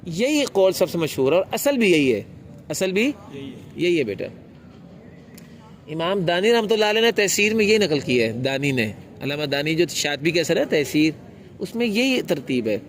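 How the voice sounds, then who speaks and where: A man's voice: a little high, big pitch swings. A man teaching a class on the rules of Quran recitation, asking his students questions and answering them himself. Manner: briefly chants a recitation demonstration.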